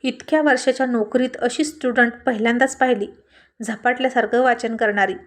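A woman's voice: fairly high pitch, fairly even intonation, fairly quick, close to an everyday voice. A woman doing a kindly joking male teacher. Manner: friendly, teasing.

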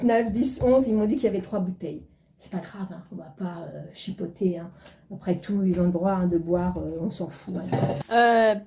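Chatty woman vlogger, mellow voice. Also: medium pitch, a little hiss or hum. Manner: chatty, counts items aloud, teasing asides. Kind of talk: casual haul video.

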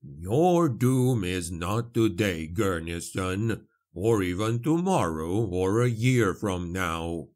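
A man voicing a solemn, cryptic male dwarf priest in a fantasy audiobook, making measured, portentous pronouncements. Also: low-pitched, animated, a little mellow.

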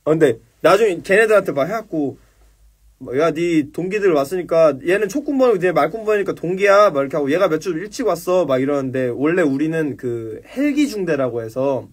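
Husky-voiced young man telling a story. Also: on the high side, lively intonation, brisk. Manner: rambling, profane, acts out quoted dialogue. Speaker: livestream host. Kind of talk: casual livestream storytelling.

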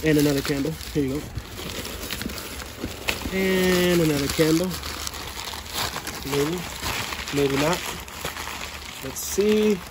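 Excitable young man unboxing storage finds. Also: on the high side, takes it slowly, long pauses, noisy background. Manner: playful, excitable, talks to viewers. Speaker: storage unit vlogger. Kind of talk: casual unboxing vlog. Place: indoors, cluttered storage room. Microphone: handheld phone camera.

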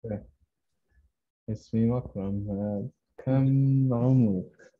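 A man, a beginner student answering hesitantly and haltingly in a language lesson. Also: medium pitch. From Somalia. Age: 20s. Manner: hesitant, halting learner speech. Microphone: remote video call. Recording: thin phone-like online call line.

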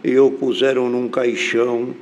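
An older man with a Brazilian Portuguese accent preaching a sermon from a church pulpit into a stand mic, slow and deliberate with emphatic rises. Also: mid-range voice, level tone, a little mellow.

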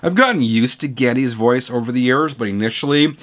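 A man in his forties hosts his music channel, his voice hoarse from a week-long cold. He talks in a chatty, opinionated way, close to the camera in a home room full of vinyl shelves, with an ordinary mid-range pitch. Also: fairly quick, fairly bright tone. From Canada. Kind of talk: casual reading of viewer comments. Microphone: camera close up at desk.

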